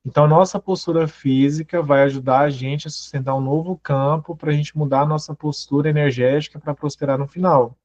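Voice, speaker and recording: A man's voice: on the high side, steady tone, a little fast, hardly any pauses, a little mellow, dry recording. A man giving a motivational growth talk, asking the audience question after question. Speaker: personal growth speaker. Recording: dull, muffled audio.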